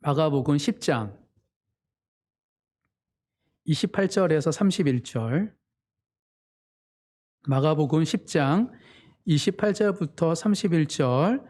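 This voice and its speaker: Male pastor, sermon delivery, earnest, a touch higher-pitched than most men. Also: animated, slow pace, pauses often, a little mellow. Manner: earnest preaching, voices quoted family members with sudden pitch jumps.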